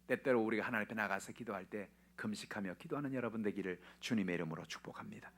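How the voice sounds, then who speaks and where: A male pastor preaching a sermon, swinging between loud emphatic exclamations and hushed whispers. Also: fairly low pitch, quick pace.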